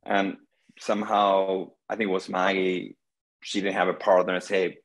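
Guy, middle-aged, low voice, chatting slow over a laptop cam at home. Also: low-quality recording. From Argentina. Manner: relaxed storytelling, many pauses and "um", gestures with hands. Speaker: guest, senior pro pickleball player. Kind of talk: casual video call interview. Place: small room indoors at home. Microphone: laptop webcam on video call.

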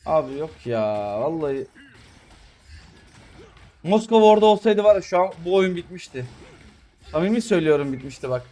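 Man, slightly high voice, gameplay commentary, exasperated, complaining about teammates. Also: expressive, fairly quick, long pauses, dark tone. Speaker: gamer streamer.

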